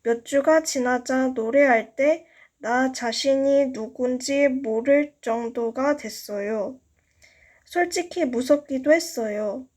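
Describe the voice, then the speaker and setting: A woman's voice: sits high, slow pace, darkish tone. A woman reading a novel aloud as an amateur narrator, careful in her delivery and now and then stumbling. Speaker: amateur audiobook reader.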